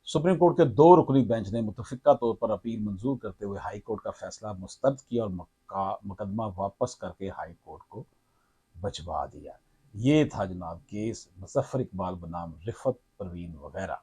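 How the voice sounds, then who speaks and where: Husky formal Pakistani lawyer, man. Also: fairly low pitch, lively intonation, dark tone, no echo. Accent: Pakistani Urdu. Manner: formal, measured, addresses viewers repeatedly. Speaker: lawyer explaining a court ruling. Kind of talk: formal legal explainer to viewers.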